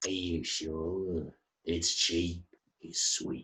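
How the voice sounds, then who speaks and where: Putting on a character voice, a man speaks raspy and at a very deep, low pitch. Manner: furtive, wheedling.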